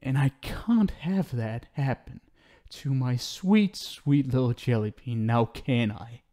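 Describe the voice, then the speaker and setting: Man acting obsessive talk show host, slow and unhinged. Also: medium pitch, dark tone, close to an everyday voice. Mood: menacing. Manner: cooing, theatrical, swinging between sweet pet names and pleading. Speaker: audio roleplay performer. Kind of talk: ASMR roleplay acting.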